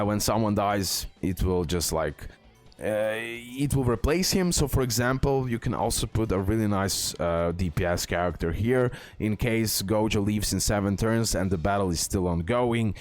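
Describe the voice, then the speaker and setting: Male gaming host, lower register, casual and emphatic, repeats key phrases while explaining to viewers. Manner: repetitive, emphatic, addresses viewers as guys. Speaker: gaming content creator, host. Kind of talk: casual game guide and gameplay commentary.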